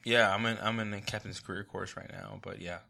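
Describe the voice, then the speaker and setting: A man, an Army captain, talking in a casual podcast interview, relaxed and hesitant with many fillers and restarts. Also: lowish voice, brisk, vocal fry.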